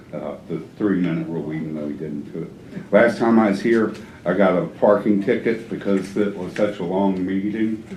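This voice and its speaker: A fairly low male voice at a moderate pace, with big swings in loudness, audible room echo and noticeable background noise. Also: ordinary pitch variation. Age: old. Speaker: public commenter, tradesman. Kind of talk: public comment.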